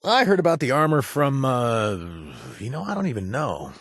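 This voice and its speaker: A teasing, flirty game companion. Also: male voice, mid-range voice, big pitch swings, moderate pace, no echo, studio quality. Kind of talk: video game voice lines.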